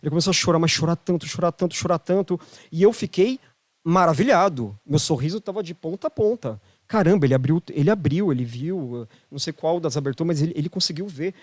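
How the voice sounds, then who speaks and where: Here the podcast guest, a holistic therapist with a Brazilian Portuguese accent, talks fast while telling a story in a casual chat. His pitch sits fairly high and his intonation is lively, and he leans on emphatic repetition to make his points. The audio is close and dry, without any room sound.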